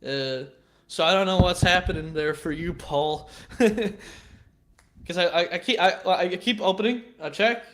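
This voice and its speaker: A man's voice: high voice, a little slow, fairly bright tone. A man in his twenties chatting casually on a live stream, rambling and swearing freely, with many stammered restarts. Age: 20s.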